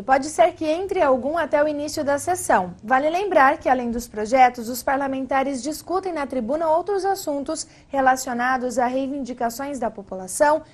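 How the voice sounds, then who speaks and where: A Brazilian woman in her thirties anchors a news programme. Her voice is clearly high-pitched. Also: a little mellow. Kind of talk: news presenting. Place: TV news studio.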